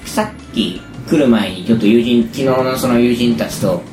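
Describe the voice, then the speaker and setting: A man with a hoarse, raspy voice worn out from shouting, chatting casually and at length as a show host. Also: mid-range voice, normal speed. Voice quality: hoarse, gravelly rasp from overused voice. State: hoarse after a day of shouting karaoke. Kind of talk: casual chat. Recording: echoey room with music behind. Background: background music.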